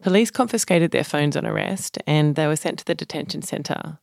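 A woman reporter narrating a documentary podcast in a calm first-person storytelling manner. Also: sits low, brisk, creaky, no room sound, clean studio sound. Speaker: reporter and co-host.

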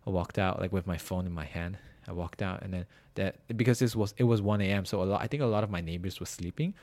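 A young man from Malaysia telling a story in casual chat, animated and full of "like", with bursts of loud laughter. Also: low voice, quick pace.

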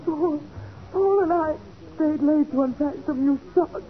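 An actress playing a fragile, distraught wife with halting, tremulous delivery in a 1940s radio melodrama, on a thin vintage recording. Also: female voice, sits high, narrow, tinny audio. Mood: shaken. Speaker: actress in a radio crime drama.

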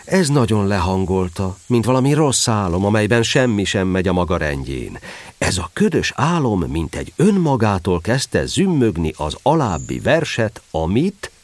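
A man narrating a children's story in an expressive storytelling style. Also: fairly low pitch, no echo.

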